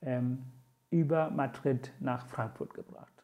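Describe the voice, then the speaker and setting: A gravelly-voiced man in his forties whose first language is Tamil, speaking as a podcast guest. His pitch sits in the middle, and he recounts events earnestly, pausing often on "äh" and "ähm" as he searches for words. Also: fairly even intonation, warm tone. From Sri Lanka. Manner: many hesitation fillers, earnest and reflective. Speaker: interview guest. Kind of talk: conversational storytelling.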